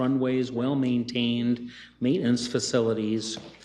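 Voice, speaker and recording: Amid noticeable background noise and audible room echo, a man speaks at a medium pitch and a fairly slow pace. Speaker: airline pilot, board applicant. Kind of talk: public meeting statement.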